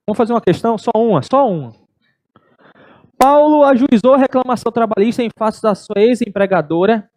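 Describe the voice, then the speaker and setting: A middle-aged Brazilian woman teaching law to exam students in a brisk, animated lecture. She slips into quick put-on voices to act out courtroom exchanges. Her voice sits at a middle pitch with a mellow, dark tone. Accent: Brazilian Portuguese. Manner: animated, acts out courtroom dialogue in shifting voices. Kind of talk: lively exam-prep lecture.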